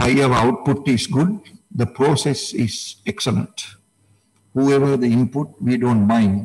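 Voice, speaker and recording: Somewhat breathy and fairly slow, a man speaks with lively intonation against a quiet background. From Sri Lanka. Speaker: senior economics professor. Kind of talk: ceremonial speech. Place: meeting room.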